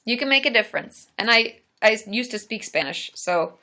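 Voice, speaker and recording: Woman therapist on a live stream, bright clear voice, laughs a lot, jokes about herself. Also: fairly high pitch, animated, normal speed, a little hiss or hum. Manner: chatty and self-mocking, laughs often. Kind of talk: casual live-stream chat.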